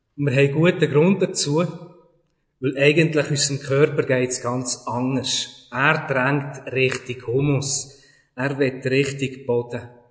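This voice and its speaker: A man's fairly high, somewhat breathy voice at a very slow pace, with fairly even intonation. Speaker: pastor. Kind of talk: sermon.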